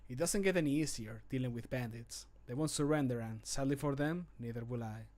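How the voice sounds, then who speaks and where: A man voicing a grim, resolute fantasy adventurer for a video game, in measured, solemn phrases that fall away at the end. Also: mid-range voice, a little mellow, close to an everyday voice. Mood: grimly resolute. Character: grim, resolute male fantasy adventurer who fights bandits. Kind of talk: scripted video game voice line. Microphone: close studio microphone.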